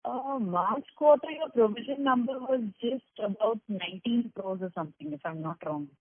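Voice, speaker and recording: A woman's voice: a little high, moderate pace, husky, no room sound. Woman analyst over a phone line. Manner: probing, detailed, numbers-focused. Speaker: analyst asking questions. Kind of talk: earnings call questioning.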